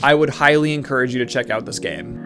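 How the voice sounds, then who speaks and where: A man's voice: mid-range voice, very animated, quick pace, creaky. A young man narrating a casual, slangy video game review. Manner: slangy, informal. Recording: voice-over with music behind.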